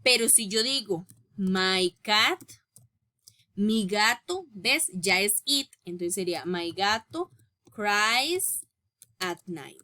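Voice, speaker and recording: Slow, bright-voiced woman teaching English. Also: mid-range voice, animated. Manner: patient, explains step by step, checks in with "¿ok?" and "¿ves?"; reads English rules slowly and deliberately. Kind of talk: recorded grammar lesson.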